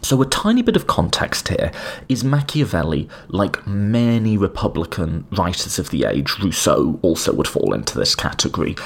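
Husky man lecturing on a podcast. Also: deep voice, very animated, normal speed. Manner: conversational lecturing, wry asides. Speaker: podcast host. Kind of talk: lecture-style podcast on political thought.

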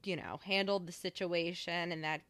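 Young woman cohosting a podcast, kinda low voice, lots of "like", dry close sound. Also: steady tone, normal speed, fairly bright tone, no echo. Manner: chatty, many fillers like "like" and "you know". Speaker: podcast co-host. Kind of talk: casual chat.

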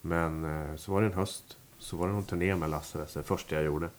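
A man's voice: extremely low pitch, steady tone, a little hiss or hum. A man, a musician, talking casually in an interview, rambling with many fillers and restarts. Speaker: musician guest. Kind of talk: relaxed interview talk.

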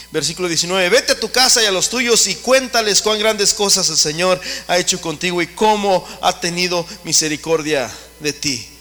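A male pastor, preaching a fervent sermon that rises to shouts. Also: on the high side, in a large hall.

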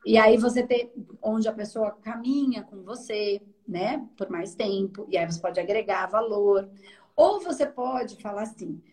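A woman with a Brazilian accent, an energy therapist mentoring a student in casual conversation, explaining in an animated way and often checking that she is understood. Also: mid-range voice, a little slow.

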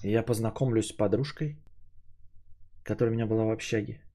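A man in his thirties, a podcast host, musing aloud in a rambling solo monologue, swearing casually and drifting between livelier and quieter stretches. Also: on the low side, fairly even intonation, fast. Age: 30s.

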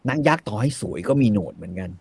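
A man retelling a classic Thai tale in casual, slangy chat, animated and reciting verse now and then. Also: fairly low pitch, rapid-fire, gravelly, breathy edge, no room sound. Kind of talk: casual comic retelling with acted quotes.

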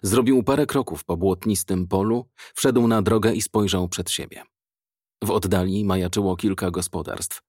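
A man narrating an audiobook in a measured, dramatic storytelling manner. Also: sits low, fairly even intonation, a little mellow, no echo, clean studio sound.

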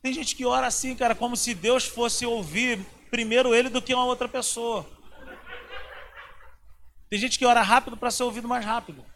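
A high-pitched pastor from Rio preaching in a loose, slangy way, jumping between loud storytelling and quiet asides. His voice sits well above most men's. A faint hum of room noise sits behind him. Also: steady tone, moderate pace. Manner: colloquial, slangy, storytelling with dramatic swings. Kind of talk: informal sermon.

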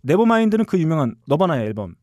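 A man's voice: a little high, very animated, very fast, a little mellow, no echo, clean studio sound. A man hosting a casual radio show, teasing his co-hosts and introducing songs. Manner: teasing, scolds co-hosts playfully.

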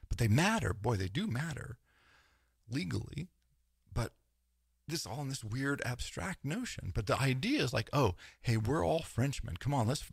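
A man talking through ideas in a rambling, animated lecture style, often tagging points with "right?" and asides. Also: medium pitch, creaky, husky, dry recording, clean studio sound. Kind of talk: casual lecture-style talk.

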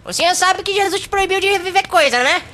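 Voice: very high voice, fast, pushed and bright, slight background noise. A woman voicing a grumpy, overworked Brazilian Christmas elf who complains in sarcastic slang in a comedic amateur radio play. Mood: fed up.

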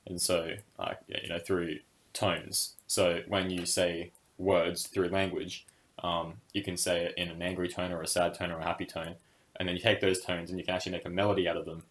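A man's voice: sits low, flat delivery, brisk, a bit bright. A young man co-hosting a casual podcast discussion, speaking thoughtfully and hesitantly with many fillers and restarts. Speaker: podcast co-host.

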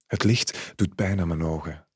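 In a calm, measured first person, a male narrator reads a literary short story. His voice is low and a little husky. The recording is close and dry, with no room sound at all.

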